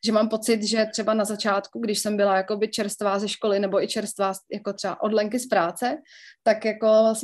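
A woman with an ordinary speaking voice talks at a fairly quick pace and a fairly high pitch. The background is quiet. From Prague, Czechia. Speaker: architect. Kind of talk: casual chat. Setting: at home.

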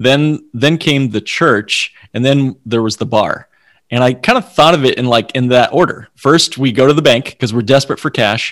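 There's a man with a plain, everyday voice and an American accent. He speaks at a moderate pace and medium pitch with ordinary pitch variation. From US Midwest. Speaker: financial planner. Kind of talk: interview.

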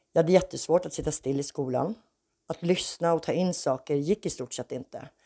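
On a very clean recording with a silent background, a woman speaks in a very deep, low voice. Her tone is dark and mellow, with ordinary pitch variation. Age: 40s. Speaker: podcast guest sharing personal story. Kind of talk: personal testimony.

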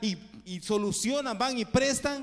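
A man speaks at a fairly slow pace with ordinary pitch variation. Noticeable background noise runs underneath. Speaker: pastor. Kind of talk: sermon with scripture reading, prayer and baptism. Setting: church. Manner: earnest preacher, repeats key points and asks '¿verdad?' often.

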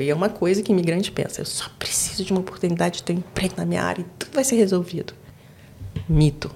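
A woman is speaking. Her intonation is lively. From Brazil, Manaus. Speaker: career counselor. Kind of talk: interview.

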